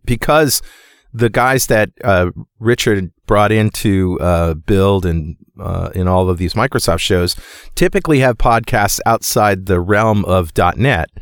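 A man's voice: lowish voice, measured pace, smooth, no echo, studio quality. A man hosting a podcast, upbeat and jokey in casual chat, introducing the guest. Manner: jokey, upbeat, fond of asides. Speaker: podcast host.

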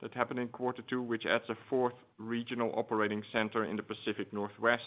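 A man's voice: medium pitch, monotone, fast. A man speaking as a company executive, giving a formal, businesslike scripted earnings presentation over a conference phone line. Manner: formal, businesslike corporate delivery. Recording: tinny, band-limited conference phone line.

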